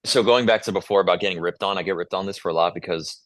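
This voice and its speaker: A man's voice: low voice, rapid-fire, no echo, studio quality. A man in his twenties chatting casually as an interview guest, in informal, slangy speech. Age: 20s. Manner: informal, slangy, peppers talk with "dude" and "like". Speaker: podcast guest, musician.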